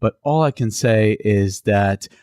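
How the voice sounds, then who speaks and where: Middle-aged man from Cuba, English, podcast host, halting with fillers, low voice, dry close sound. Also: darkish tone, dry recording. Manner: halting, many fillers and restarts. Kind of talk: casual interview podcast.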